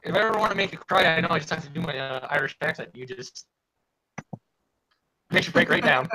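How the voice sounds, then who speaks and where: A man's voice: on the high side, expressive, fairly quick, bright, forceful tone, poor audio. A man hosting a casual group stream, teasing the others and laughing often. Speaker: stream host. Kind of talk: casual chat.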